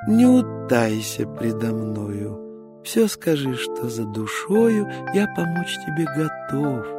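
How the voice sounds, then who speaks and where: A reader doing a soft, wise little magic horse. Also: sing-song, slow, over music. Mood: gentle soothing. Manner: soft, low, soothing. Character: small humpbacked magic horse, gentle and wise. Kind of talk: storybook verse reading.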